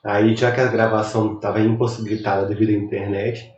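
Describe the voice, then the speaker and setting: Getting over a cold, this Brazilian Portuguese-accented man in his thirties delivers a rambling, chatty online lecture as a university lecturer, full of conversational asides. His lowish, slightly mellow voice moves quickly with little pitch variation. The recording is muffled, from a distant mic in an echoey room.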